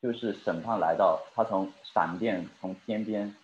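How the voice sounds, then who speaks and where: A man's voice: on the low side, a little slow, slight background noise. A man preaching a sermon and talking straight to his congregation, asking them questions and drawing them in. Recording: roomy, dull lo-fi recording.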